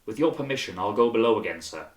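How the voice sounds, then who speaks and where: A man playing a brisk young naval lieutenant in an audiobook, clipped, curt and authoritative. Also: lowish voice, animated, roomy sound, lightly acted. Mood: controlled, respectful.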